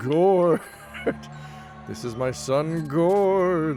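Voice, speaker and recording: Music plays clearly in the background as a man speaks. He uses a put-on character voice at a fairly high pitch. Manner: spooky.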